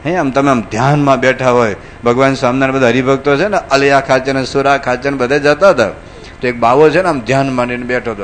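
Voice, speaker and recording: A male monk preacher giving a storytelling sermon, animated and acting out the characters. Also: medium pitch, a little hiss or hum.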